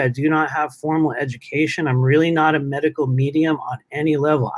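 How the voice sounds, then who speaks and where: A man speaks at a fairly quick pace. His pitch sits fairly high. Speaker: intuitive empathic healer. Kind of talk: livestream conversation. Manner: fast; animated.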